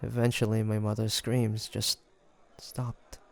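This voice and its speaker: A man's voice: lowish voice, completely flat delivery, slow, vocal fry, some chatter behind. A man playing a young demon hunter in an audio roleplay, flustered and haunted, speaking in hesitant, stammering phrases. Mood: haunted, grave. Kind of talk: scripted audio roleplay monologue.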